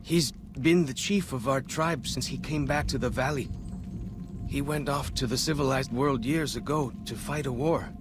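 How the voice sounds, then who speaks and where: A young, curious tribal guide from a video game, voiced by a man. He has a medium-pitched voice and talks earnestly in simple, halting phrases, with music clearly playing underneath. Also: close to an everyday voice. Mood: helpful, earnest. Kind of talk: video game cutscene dialogue.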